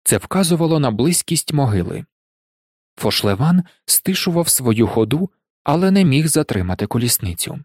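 A man reading a novel aloud as an audiobook narrator, in expressive storytelling narration. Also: medium pitch, moderate pace, no room sound, clean studio sound. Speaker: audiobook reader.

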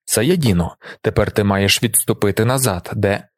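A man reading a stern male tribal chief in an audiobook, firm and commanding in a measured way. The recording is dry and close, with the voice near the narrator's own. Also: on the low side, no echo, close to an everyday voice.

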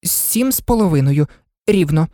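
A woman's voice: deep voice, animated, normal speed, mellow, no room sound, clean studio sound, pitched above the performer's own voice. A woman voicing a polite, curious seven-year-old girl. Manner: polite, earnest.

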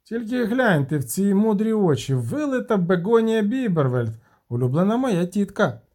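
A man's voice: sits high, very animated, normal speed, darkish tone, voice pushed up. A man voicing a jovial, chatty halfling.

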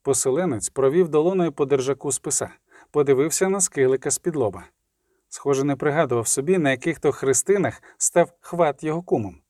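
A man narrating an audiobook in an expressive storytelling manner. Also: fairly high pitch, brisk, no echo, studio quality. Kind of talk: scripted narration.

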